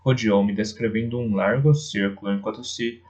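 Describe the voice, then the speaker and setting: A man narrating an audiobook in the first person, with a steady, earnest reading. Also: on the low side, moderate pace. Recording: dull lo-fi recording.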